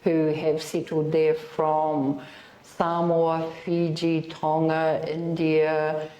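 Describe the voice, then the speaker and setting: Woman, New Zealand accent, mellow low voice, earnest, friendly, echoey room. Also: completely flat delivery. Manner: friendly, earnest, unhurried with frequent fillers. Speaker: institute representative. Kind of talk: interview answers.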